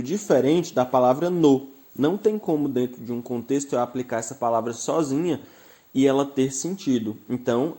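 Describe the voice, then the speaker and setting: A man's voice: mid-range voice, a little mellow. A man with a Brazilian Portuguese accent teaching a grammar lesson, explaining patiently and stressing the example words.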